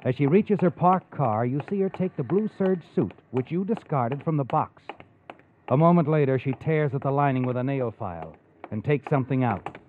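A man's voice: medium pitch, lively intonation, normal speed, slight background noise, lightly acted. A man playing a knowing, taunting, ominous narrator in a 1940s radio mystery, addressing the listener on a muffled old recording. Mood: knowing, suspenseful. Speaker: host and narrator.

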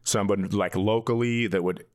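A man with a fairly low voice tells comic stories in a casual, conversational way. He is candid and self-deprecating, like a working comedian chatting on a podcast. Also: steady tone, moderate pace, darkish tone. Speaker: stand-up comedian and podcast co-host.

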